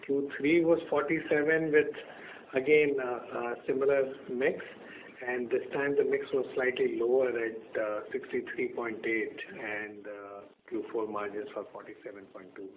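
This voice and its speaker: Halting male executive, tinny noisy line. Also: mid-range voice, fairly even intonation. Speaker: company executive. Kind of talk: answering analyst questions. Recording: noisy narrow phone-line call.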